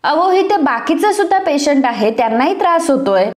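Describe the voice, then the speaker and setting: A woman's voice: sits high, sing-song, moderate pace, darkish tone, roomy sound. A woman voicing a stern hospital nurse. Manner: scolding.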